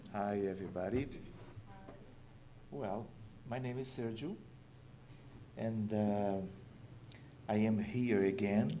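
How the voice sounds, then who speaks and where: With audible room echo, a man speaks very slowly in a fairly low pitch, using fairly even intonation and long, frequent pauses. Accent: Brazilian Portuguese. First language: Portuguese. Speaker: lecturer on spirituality and physics. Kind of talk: lecture. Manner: halting, many fillers.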